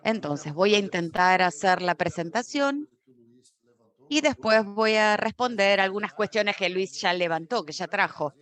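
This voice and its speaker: Woman, conference interpreter, even mid pitch, measured delivery, frequent restarts and self-corrections. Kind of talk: simultaneous interpretation of a corporate talk.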